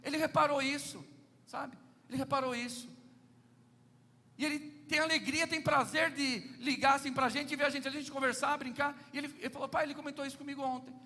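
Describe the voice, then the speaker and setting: A man's voice: very high voice, steady tone, brisk, bright, forceful tone, long reverb tail. A middle-aged man with a Brazilian Portuguese accent preaching a sermon, telling playful anecdotes and turning often to the congregation. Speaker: pastor.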